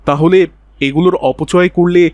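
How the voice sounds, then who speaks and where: High-voiced gentle, pious cartoon father played by a man. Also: fairly even intonation, normal speed, no room sound, lightly acted. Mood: gently admonishing. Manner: soothing, preachy. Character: gentle pious father patiently counselling his young daughter. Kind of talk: children's Islamic cartoon voice acting.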